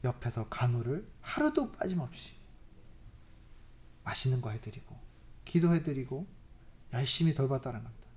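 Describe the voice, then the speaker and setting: A preacher delivers a sermon at a church service and tells a long story. The delivery is animated, with loud, emphatic peaks, hushed asides and frequent rhetorical questions to the congregation. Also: medium pitch, moderate pace, long pauses.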